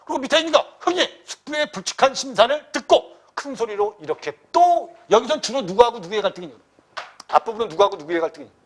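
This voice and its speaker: A man teaching a classical novel passage in an animated, blunt, slangy way, checking in with students often. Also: sits high, slight background noise. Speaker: Korean literature tutor.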